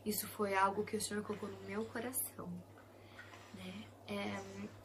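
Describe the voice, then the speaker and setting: A young woman with a Brazilian Portuguese accent sharing a personal Christian testimony, soft and intimate, often sinking to a hushed whisper. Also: mid-range voice, flat delivery, moderate pace, slight background noise.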